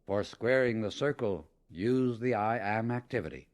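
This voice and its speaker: A man narrating a scripted spiritual audiobook in a measured, emphatic, instructional manner. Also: fairly low pitch, lively intonation.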